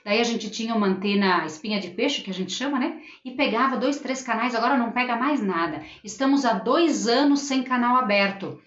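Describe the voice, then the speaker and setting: In a high-leaning voice that runs a little fast with hardly any pauses, a middle-aged school teacher chats earnestly with viewers on a casual home live stream, reading their comments aloud. The recording sounds roomy, dull, and lo-fi.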